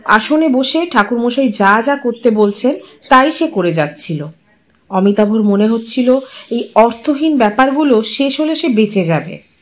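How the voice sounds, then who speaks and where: Woman storyteller, audiobook narration, lively intonation, measured. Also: fairly high pitch. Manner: expressive, measured.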